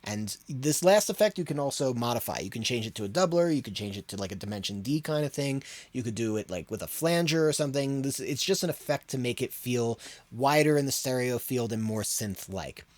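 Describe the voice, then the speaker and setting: A man's voice: medium pitch, lively intonation, fairly quick, no room sound. A man hosting an audio tutorial, explaining in an informal, rambling way as he thinks aloud. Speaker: audio production tutorial host.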